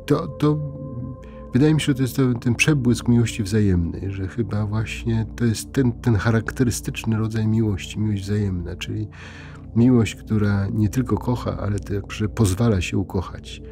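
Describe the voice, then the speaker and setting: A middle-aged man, a Catholic priest, giving an informal bedtime reflection in an unhurried, conversational way, with many pauses and restarts. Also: lowish voice, gravelly, music in the background.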